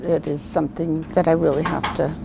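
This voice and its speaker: A woman's voice: sits low, level tone, brisk, vocal fry, noisy background. A woman in her fifties talking casually and reflectively in an interview, plain-spoken. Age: 50s. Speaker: patient, longtime smoker. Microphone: lapel.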